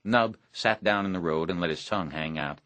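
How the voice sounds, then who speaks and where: A man reading a novel aloud in a measured, plain first-person storytelling voice. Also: deep voice, a bit bright, no echo. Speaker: audiobook narrator. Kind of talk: scripted first-person narration.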